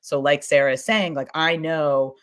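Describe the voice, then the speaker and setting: A woman's voice: low voice, steady tone, moderate pace. Enthusiastic woman in casual panel talk. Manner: enthusiastic, emphatic, informal. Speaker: scripted fiction podcast creator and panelist.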